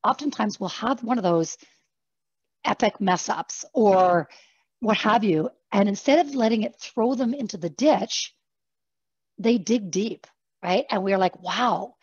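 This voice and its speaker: A woman executive coach giving an online workshop, talking fast and animatedly and acting out her examples. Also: medium pitch, a little mellow, husky, no room sound, muffled recording. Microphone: video call.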